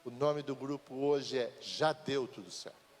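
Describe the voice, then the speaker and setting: A man in his fifties preaching a sermon, dropping low and slow for scripture, then rising high and loud when he pleads. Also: soft background music. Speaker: pastor. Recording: church hall reverb.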